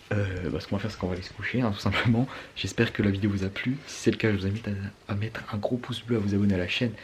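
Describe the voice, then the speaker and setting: Somewhat breathy and fairly low in pitch, a man talks at a very fast pace with fairly even intonation. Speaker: travel vlogger. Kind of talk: casual vlog talk to camera. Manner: soft-spoken.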